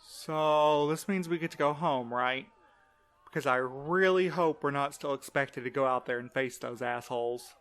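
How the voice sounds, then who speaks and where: A man's voice: mid-range voice, normal speed, a bit bright, natural voice. A man playing a weary, cynical night-shift worker in an audio drama, complaining with dry sarcasm. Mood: weary, exasperated. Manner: sardonic, complaining. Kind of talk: audio drama dialogue, conversational.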